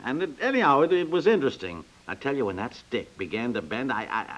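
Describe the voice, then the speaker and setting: An actor playing a stubborn, easily impressed husband, stammering and repeating himself excitably in 1950s radio comedy style, on a dull old recording. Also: male voice, medium pitch, fast. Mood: defensive, insistent. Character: stubborn, easily impressed middle-class husband, blustering and defensive.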